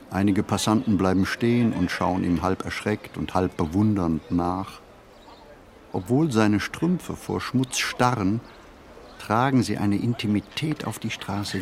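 An actor playing a reflective writer in a literary radio play, speaking his monologue in measured, deliberate phrases. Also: lowish voice, a little mellow, slight background noise. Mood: observant. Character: reflective male writer musing on writing and society. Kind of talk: literary radio play monologue, scripted first-person narration.

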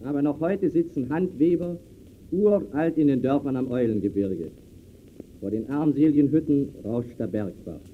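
A man's voice: medium pitch, expressive, normal speed. Solemn male narrator, tinny archival sound. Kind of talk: solemn literary radio narration. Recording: tinny, faintly noisy archival radio.

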